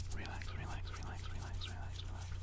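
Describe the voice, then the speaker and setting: A man whispers, soft-spoken. His pace is fairly quick. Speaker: ASMR creator. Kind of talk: soft ASMR talk. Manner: soft close-mic ASMR whisper. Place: home room. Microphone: studio mic.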